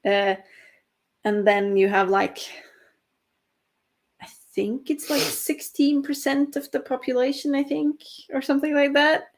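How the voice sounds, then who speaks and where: A woman's voice: high voice, steady tone, unhurried, long pauses. A young adult woman from Norway, a native Norwegian speaker, chatting casually with viewers on a writing livestream, with frequent laughs and fillers. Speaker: writing stream host.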